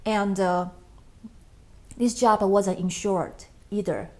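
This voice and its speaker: A middle-aged woman from Taiwan, an English speaker who talks in halting sentences with many restarts as an interview guest. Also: medium pitch, fairly even intonation, dark tone. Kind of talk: interview conversation.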